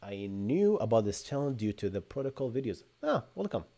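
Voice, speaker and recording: A podcast host in his thirties from Bahrain, with an Arabic accent, runs a live-streamed tech Q&A from a room at home, explaining things in energetic bursts and often adding "right?". His voice is medium in pitch and a little fast. He speaks into a desk microphone in front of him.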